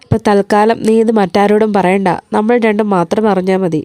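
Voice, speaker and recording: A stern old grandmother, as a woman reading the story puts her on, firm and scolding in a mellow, soft tone. The reading is close and dry, with no room around it. She is protective and will not let the matter drop. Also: medium pitch, fairly even intonation, fairly quick, clear, resonant tone, dry recording, lightly acted.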